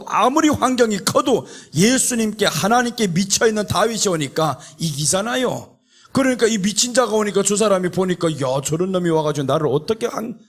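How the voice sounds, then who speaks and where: A male pastor with a notably high-pitched voice delivers a sermon. He speaks conversationally but with passion, repeating key phrases for emphasis. He presses his points with rhetorical questions and direct exhortation. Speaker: pastor preaching at a prayer retreat.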